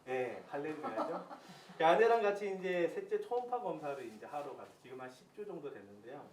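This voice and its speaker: A pastor in his thirties giving a sermon as lively storytelling, acting out his own prayers. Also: on the high side, brisk. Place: church hall. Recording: echoey church hall, distant mic, faint hiss.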